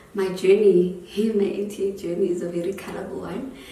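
A woman speaks over light background noise with audible room echo. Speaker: primary school teacher. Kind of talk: interview answer. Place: studio.

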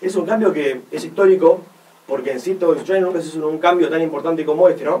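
Here a man talks at a very fast pace in a high voice. His intonation is fairly even. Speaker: journalism student hosting a practice radio interview. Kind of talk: radio sports talk show. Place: studio.

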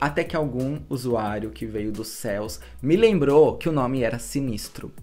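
A man speaks very slowly at a medium pitch with ordinary pitch variation. His tone is dark and mellow. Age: 20s. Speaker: entertainment youtuber. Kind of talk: casual chat. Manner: animated.

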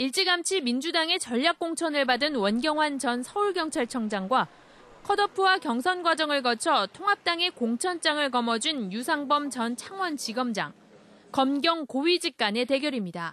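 In a raised, projected voice, a woman talks at a fairly slow pace with lively intonation and very even loudness. Her tone is bright and sharp and her pitch high, the sound dry and close with no echo. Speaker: news reporter. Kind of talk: news reading. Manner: formal.

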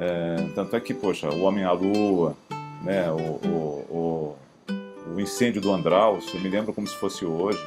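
Clear music plays behind a man whose very deep, low voice shows ordinary pitch variation. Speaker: journalist and broadcaster, 30 years in journalism. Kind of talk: interview answer, personal life story. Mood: warm, smiling, nostalgic. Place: home room.

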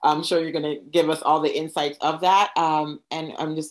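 A woman talks at a fairly quick pace. The background is quiet. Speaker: nonprofit executive director moderating panel. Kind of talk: panel interview. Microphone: video call.

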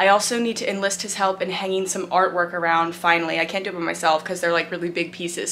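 A woman with a fairly low pitch rushes along at a very fast pace with hardly any pauses and monotone, flat intonation, over light background noise. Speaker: vlogger. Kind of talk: casual vlog chat. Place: home room. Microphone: phone near.

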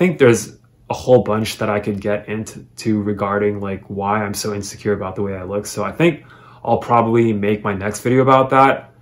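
Speaking at a fairly quick pace, a man with a fairly low pitch keeps a fairly even intonation over a quiet background. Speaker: vlogger. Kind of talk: casual vlog chat. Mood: self-conscious, a bit awkward. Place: home room. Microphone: phone near.

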